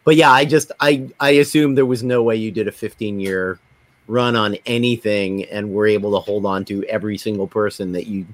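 A man's voice: fairly low pitch, fairly even intonation, a little fast, dry recording. A man hosting a casual podcast, talking in a wry, digressive way. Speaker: podcast host.

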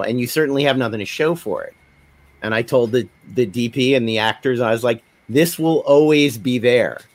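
A middle-aged man with an average-pitched voice talks in a panel discussion. He tells stories in a conversational, anecdotal way, voicing bits of quoted dialogue as he goes. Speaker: podcast panelist, independent filmmaker.

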